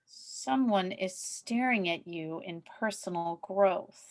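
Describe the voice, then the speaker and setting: An actress playing a curious, romantic-minded best friend in a romantic comedy table read. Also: female voice, medium pitch, slow pace. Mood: knowing.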